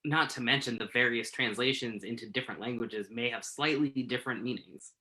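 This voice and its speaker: A man playing a conflicted journalist in a staged play reading, speaking naturalistically and haltingly. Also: mid-range voice, bright, forceful tone, natural voice, low-quality recording. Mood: probing, frank. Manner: hesitant, halting. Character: Tuck, conflicted entertainment journalist man hiding his identity.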